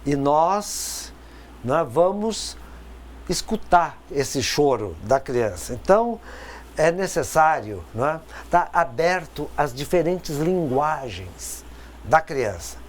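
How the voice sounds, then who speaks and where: A man giving a recorded course lecture in a conversational way, with frequent tag questions, pauses and repeated words. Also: on the high side, big pitch swings, a little hiss or hum.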